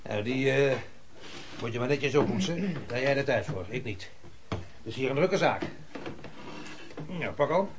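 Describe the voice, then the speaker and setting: An actor playing a busy, benevolent brassware shopkeeper in a radio play, brisk and muttering but kind. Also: male voice, medium pitch, lively intonation, lightly acted. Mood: busy, kindly. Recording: noisy old radio play recording.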